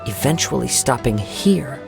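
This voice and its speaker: An actor voicing a calm, thoughtful young male swordsman in a game, speaking in a composed, measured, reasoning way. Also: mid-range voice, creaky, music in the background. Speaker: game character.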